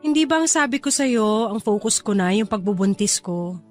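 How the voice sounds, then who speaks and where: A woman's voice: medium pitch, lively intonation, moderate pace, faint music behind, natural voice. A woman playing a tired young mother in a Tagalog radio drama, a defensive and evasive fiancée. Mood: defensive, weary.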